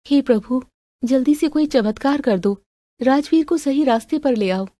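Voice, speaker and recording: A woman's voice: high-pitched, normal speed, warm tone, dry recording, studio quality, close to an everyday voice. A woman voicing a meek, wronged young daughter-in-law who pleads, in a melodramatic family story. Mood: earnest. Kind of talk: melodramatic audio story acting.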